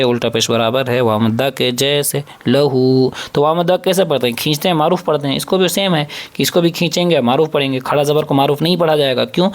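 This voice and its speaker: Patient man drilling drawn-out syllables. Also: fairly high pitch. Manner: asks and answers his own questions. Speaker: Quran reading teacher. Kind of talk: step-by-step reading lesson.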